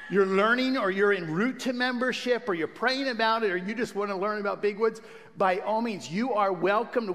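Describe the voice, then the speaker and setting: A man speaking as pastor to his congregation, welcoming them and leading a prayer. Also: high voice. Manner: warm pastoral address with fillers and restarts. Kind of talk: church sermon introduction and prayer. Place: church sanctuary. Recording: church hall reverb.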